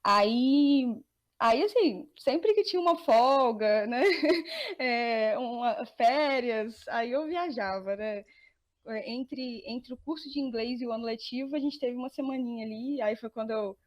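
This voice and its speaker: Young brazilian woman on a podcast, high voice, lots of laughs and fillers. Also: animated, measured pace. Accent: Brazilian Portuguese. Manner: chatty, laughs often, many fillers and restarts. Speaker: podcast guest. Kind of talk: casual interview chat.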